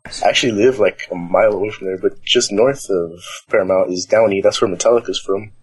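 This low-quality recording features a young man from the Los Angeles area being interviewed in a nearly empty library, where he chats in a loose, rambling way. His voice sits fairly low, moves along fairly quickly, and has a slightly rough texture.

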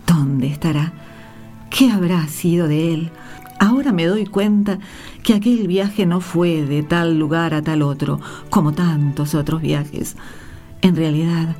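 Actress as radio-play narrator: Argentine woman, emotional, reflective believer, lowish register, soft music bed. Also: lightly acted. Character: emotional woman narrator remembering a desert journey of faith. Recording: music under the voice.

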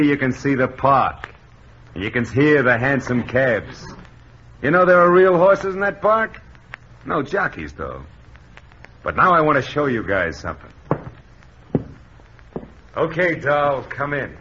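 A man playing a gruff old-time gangster bookie. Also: medium pitch, sing-song, a little slow, pauses often, a bit bright, a little hiss or hum. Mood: bossy. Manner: clipped tough-guy slang, bossy. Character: gruff gangster bookie, tough but softening. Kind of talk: 1940s radio acting. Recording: dull old radio broadcast.

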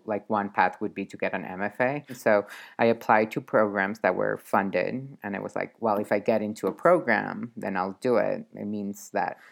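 A man of forty-one, talking casually as a guest author over a video call, laughing often and filling pauses with ums and likes. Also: lowish voice, gravelly. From Mexico. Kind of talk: casual interview chat.

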